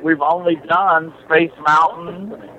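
Man caller, bright edge on a slightly high voice, curt reluctant answers, dull lo-fi line. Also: steady tone, takes it slowly. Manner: gruff, reluctant and short answers. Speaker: caller at a theme park.

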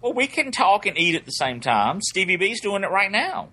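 A man with a bright, ringing voice tosses out crude jokes and teases the others in a loose podcast chat. His voice sits a bit high and swings up and down through a wide range. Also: sing-song, normal speed. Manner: crude joking banter. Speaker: regular guest.

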